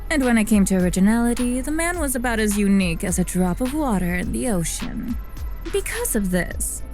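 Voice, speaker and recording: A woman's voice: mid-range voice, darkish tone, natural voice. A woman playing a ruthless, witty lead scientist in an audio drama, dry, imperious and formally spoken. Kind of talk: first-person audio drama narration and dialogue.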